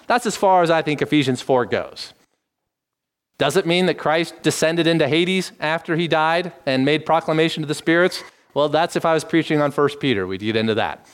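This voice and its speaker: A middle-aged man preaching, teaching in a measured tone and lifting his voice to stress key phrases. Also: mid-range voice, clear, resonant tone. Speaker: pastor. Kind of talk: expository sermon.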